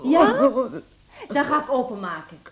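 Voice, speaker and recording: An actress playing a dutiful, protective young daughter in a radio play, speaking politely and carefully, coaxing. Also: female voice, sits high, big pitch swings, unhurried, a bit bright, echoey room, a little hiss or hum, exaggerated voice.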